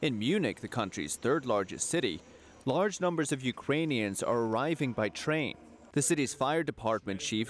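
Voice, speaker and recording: A man reading a scripted news report in a measured, formal way. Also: medium pitch, slight background noise.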